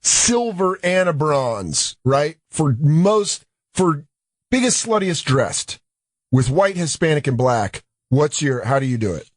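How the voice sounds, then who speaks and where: Husky, slightly high male radio host, blunt jokey banter, dry studio. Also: sing-song, slow, no echo. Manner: blunt, joking, takes calls. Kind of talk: casual comedic chat.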